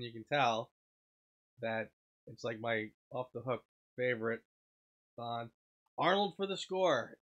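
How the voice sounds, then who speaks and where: A man hosting a casual livestream, stuffed up and sniffling, clearing his throat often and rambling as he answers viewer chat. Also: mid-range voice, fairly bright tone, dull audio. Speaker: livestream host.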